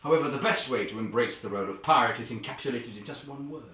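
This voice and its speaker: A man playing a pompous, self-important acting coach who over-enunciates grandly and breaks into sudden loud outbursts. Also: medium pitch, fast, natural voice. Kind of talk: comedy character sketch. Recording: very echoey, far from the mic.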